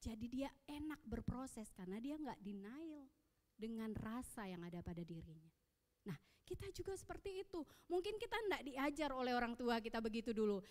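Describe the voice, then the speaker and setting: A woman in her thirties with an Indonesian accent, preaching at a youth service and telling personal stories in a lively way. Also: on the high side, moderate pace. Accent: Indonesian, Samarinda. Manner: lively storytelling, acting out dialogue. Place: church hall. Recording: long echo of a church hall.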